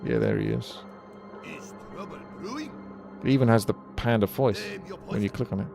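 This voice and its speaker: A man's voice: fairly low pitch, steady tone, moderate pace, gravelly. A man giving casual live commentary as he streams a game, with game music behind him. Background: loud game music and effects.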